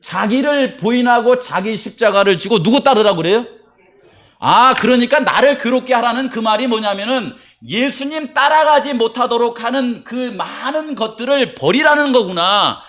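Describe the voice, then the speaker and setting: High-voiced man preaching a sermon. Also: a bit bright. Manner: asks the congregation questions, emphatic storytelling. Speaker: pastor.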